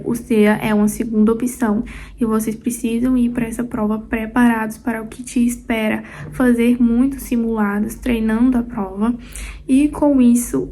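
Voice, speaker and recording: A young Brazilian woman with a Brazilian Portuguese accent, tutoring for a Spanish exam in a casual, chatty way, often pausing on fillers and restarting her sentences. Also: fairly high pitch, a little mellow, slight background noise. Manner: chatty, loose, with frequent hesitation fillers and restarts. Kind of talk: casual explanatory talk to camera.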